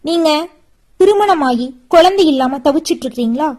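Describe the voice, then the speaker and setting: A woman, speaking as an astrology presenter and gently reassuring her viewers while she lists her points one by one. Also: high voice, expressive, moderate pace. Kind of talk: horoscope talk addressed to viewers.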